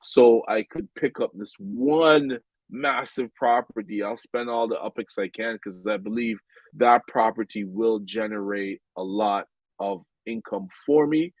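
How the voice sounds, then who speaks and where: Slow, stuffed-up nasal man. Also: on the low side, no room sound, dull audio. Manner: rambling, many ums and restarts. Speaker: game vlogger. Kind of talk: casual game commentary.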